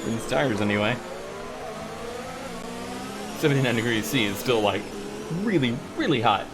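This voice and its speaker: A man's voice: medium pitch, normal speed, noisy background. Man with a worn, fading voice. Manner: relaxed, self-deprecating, talks to viewers. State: losing his voice. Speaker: gaming YouTuber. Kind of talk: casual gameplay commentary.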